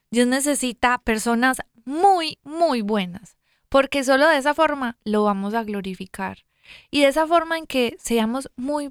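A woman chatting on a faith program, easygoing and full of fillers. Her voice is a little high and smooth. The recording is dry and close. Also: no room sound. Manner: chatty, laughs often, says o sea often. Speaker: co-host of a Catholic radio program. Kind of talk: casual faith chat.

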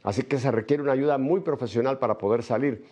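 A man interviewing a guest, attentive and prompting him gently with questions and short affirmations. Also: mid-range voice, fast talker. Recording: dull lo-fi sound.

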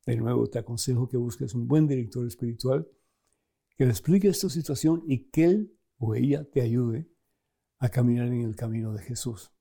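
Gravelly, dark-voiced preaching priest. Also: male voice, moderate pace. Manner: animated, acts out scripture quotes with sudden pitch jumps; chuckles between points. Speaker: priest and program host. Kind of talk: preaching while answering viewer questions.

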